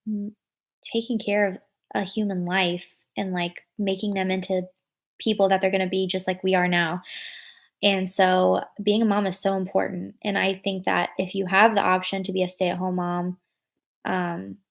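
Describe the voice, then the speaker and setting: Rambly young woman with vocal fry. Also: mid-range voice, level tone, moderate pace. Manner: rambling, filler-heavy, lots of "like" and "um"; thinks aloud and corrects herself. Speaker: vlogger answering viewer comments. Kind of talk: casual live chat.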